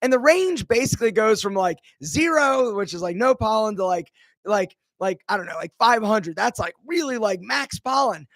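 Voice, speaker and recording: An upbeat man hosts a live stream in a fairly high register, talking close to the mic in a dry, dead room. His voice is a little rough from allergies, and he rambles cheerfully between greetings and side stories. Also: normal speed, no room sound. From Philadelphia. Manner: energetic, chatty, greets viewers by name. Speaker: livestream host. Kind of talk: casual live Q&A chat.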